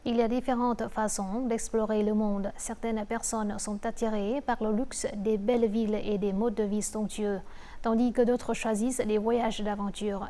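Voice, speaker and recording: A woman presenting a news segment in a smooth, composed way. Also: medium pitch, mellow.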